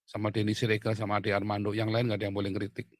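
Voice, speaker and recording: A man delivering an angry political rant, shouting insults and hammering points through repetition. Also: on the low side, completely flat delivery, very fast, no room sound, clean studio sound. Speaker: online commentator.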